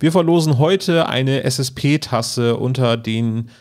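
A man's voice: medium pitch, takes it slowly, a little mellow. A man, giving announcements to podcast listeners.

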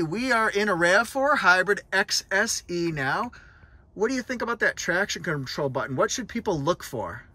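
A man's voice: sits high, bright, forceful tone. A man interviewing a mechanic off camera, asking questions in an upbeat, joking way. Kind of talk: dealership video interview.

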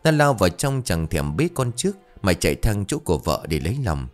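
A man narrating a ghost story in a dramatic, expressive way. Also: low-pitched, fairly quick, soft background music. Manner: expressive, swinging delivery.

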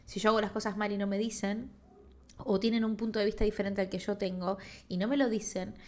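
A young adult woman with a Rioplatense accent reacts as a streamer, in a mid-range voice. She speaks casually and directly to her audience from a desk microphone at home. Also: mid-range voice. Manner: conversational, addressing viewers. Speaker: streamer reacting to a news video. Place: home room, indoors. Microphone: desk microphone with headset on.

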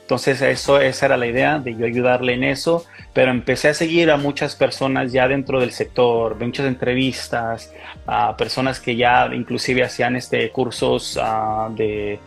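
Mexican-accented male guest, gravelly, halting, heard over a video call. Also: mid-range voice. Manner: hesitant, many fillers and restarts. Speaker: interview guest, micropigmentation artist. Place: small indoor room.

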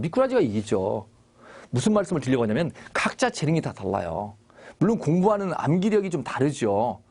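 A man's voice: a little high, darkish tone, husky. A male English teacher giving a Bible-based grammar lesson, asking the class questions and answering them himself.

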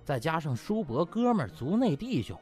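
A man's voice: fairly high pitch, big pitch swings, fairly quick, a little mellow, faint music behind. A man narrating a comic novel as an audiobook, theatrical and colloquial in his delivery. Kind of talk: comic scripted storytelling.

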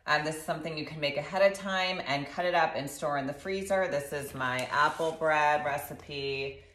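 A woman in her thirties casually walking through a recipe in her home kitchen, chatty and relaxed, filmed by a camera across the counter. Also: sits low, normal speed, a little hiss or hum. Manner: relaxed, chatty instructions with fillers. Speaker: doctor sharing recipes. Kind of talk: casual cooking demonstration. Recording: echoey kitchen, slightly distant.

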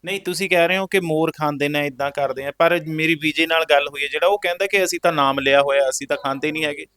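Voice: medium pitch, fast talker, a bit bright, no echo. A reporter questioning a family in a field interview, prompting and consoling them. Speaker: news reporter.

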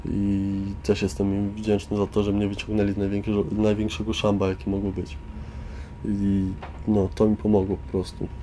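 A young man speaking informally and haltingly, giving candid personal testimony. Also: fairly low pitch, monotone, mellow. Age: teenager or young adult. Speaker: resident of a youth care centre. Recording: faint background noise.

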